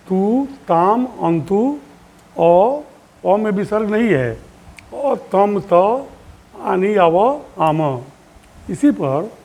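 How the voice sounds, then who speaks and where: A man's voice: high-pitched, creaky, darkish tone. A male teacher giving a lesson to pupils, patiently repeating forms aloud and asking them questions. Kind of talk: online classroom lesson.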